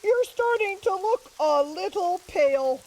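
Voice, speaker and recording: A woman voicing a sick, fretful male wizard in a puppet show, speaking slowly and apologetically. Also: extremely high pitch, expressive, darkish tone, full character voice, low-quality recording. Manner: slow, apologetic, earnest.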